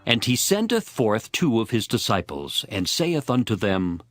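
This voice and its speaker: Casting: man to narrate dramatized scripture, lowish voice, very varied intonation, over music. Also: very animated, a little slow. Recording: music behind the voice. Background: background music.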